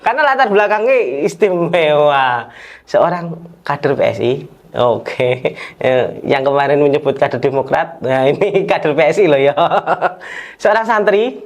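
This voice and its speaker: A man's voice: on the high side, animated. Jokey male podcast host. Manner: jokey, quick backchannels, laughs often. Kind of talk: casual podcast interview.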